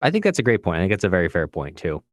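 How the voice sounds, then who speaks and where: Man, lowish voice, podcast co-host, agreeable, reflective, casual analysis built step by step, very dry recording. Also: wildly swooping pitch, rapid-fire, no room sound. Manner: agreeable, reflective, builds points piece by piece. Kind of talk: casual book discussion.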